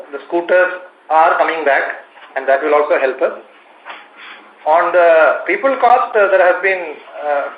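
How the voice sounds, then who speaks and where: An Indian-accented man gives an executive's answers on an earnings call. His voice sits a little high and his phrasing is hesitant, with repeated words. The call sounds roomy and echoing. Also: narrow, tinny audio.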